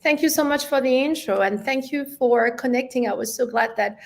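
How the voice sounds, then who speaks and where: Gravelly French-accented woman in her fifties. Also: high voice, moderate pace. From France. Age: 50s. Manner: reflective, with frequent restarts and fillers. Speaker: guest, language educator. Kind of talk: conversational interview.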